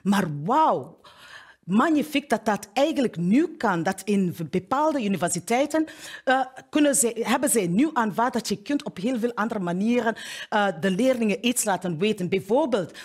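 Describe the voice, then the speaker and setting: A husky, slightly breathy middle-aged woman delivers a keynote from a studio. She talks in a lively, searching way, circling back over words and pushing on. Her tone stays that of a committed speaker addressing educators. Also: a little high, normal speed. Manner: animated, gesturing widely, many restarts and repeated words. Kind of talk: keynote talk. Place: studio in front of a plain backdrop.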